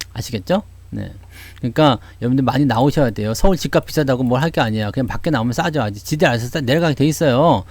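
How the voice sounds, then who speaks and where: A man's voice: on the high side, darkish tone, no echo. A middle-aged man from Seoul hosting a casual stock-market livestream, chatty and joking, dropping frequent asides as he answers viewers. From Seoul, South Korea. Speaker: stock market YouTube host.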